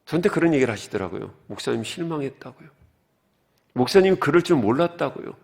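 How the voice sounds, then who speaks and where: A man's voice: medium pitch, lively intonation, quick pace, vocal fry. A man as pastor preaching a sermon, who asks the congregation questions and explains the words of the text.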